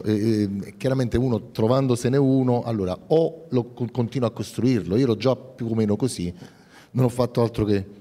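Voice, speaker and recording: Low dark male voice, hesitant actor-musician, hall echo. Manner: hesitant, searching for words. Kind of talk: festival panel talk. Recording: reverberant hall.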